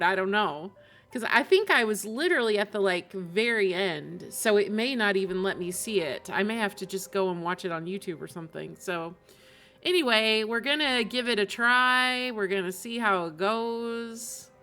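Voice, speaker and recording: A woman chats casually on a game live stream in a bright, forward voice. She is talkative and informal, with music playing behind her. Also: mid-range voice, moderate pace. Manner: chatty, often laughs while talking.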